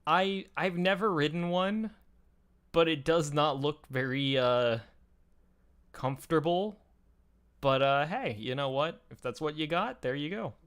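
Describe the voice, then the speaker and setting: A man's voice: fairly high pitch, measured pace, fairly bright tone, clear, resonant tone. A man chatting casually and explaining things in a conversational, enthusiastic way, as a show host.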